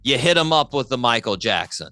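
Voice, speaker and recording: Male interview host. Bright, forward voice, very dry sound, chatty, keen, repeats himself. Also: medium pitch, sing-song, a little fast, no room sound, soft background music. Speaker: talk show host. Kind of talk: casual music interview chat.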